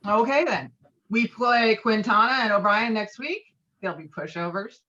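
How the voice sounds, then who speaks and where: A woman's voice: medium pitch, moderate pace, sharp tone, muffled recording, lightly acted. A woman acting a belligerent, rule-obsessed middle-aged male bowler in a script read, emphatic, self-righteous and foul-mouthed. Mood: smug. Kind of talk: acted table read of a film script.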